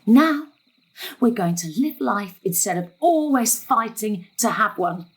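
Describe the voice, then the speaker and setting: A woman's voice: medium pitch, expressive, measured pace, breathy edge, poor audio. A woman playing a long-suffering, middle-aged mother with a darkly wry, conversational manner in a dramatic thriller. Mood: elated, dreamy. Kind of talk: dramatic stage-thriller monologue and dialogue.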